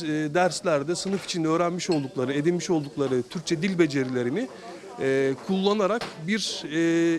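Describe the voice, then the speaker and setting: A man with a moderately high-pitched voice gives a formal interview explanation. He sounds like an instructor, choosing his words in a measured, halting way. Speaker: language program instructor.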